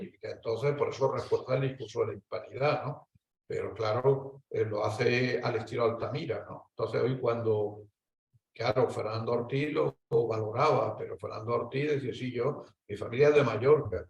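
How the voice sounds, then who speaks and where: Gravelly man debating in an echoey hall. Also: medium pitch. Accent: Spanish. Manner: discursive, hesitant restarts, animated rises. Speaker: academic panelist. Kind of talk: academic panel debate. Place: lecture hall. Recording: echoey hall, distant mic.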